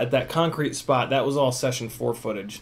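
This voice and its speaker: A man's voice with ordinary pitch variation over faint background music. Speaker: FPV drone hobby streamer. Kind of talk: casual live stream chat. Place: home room.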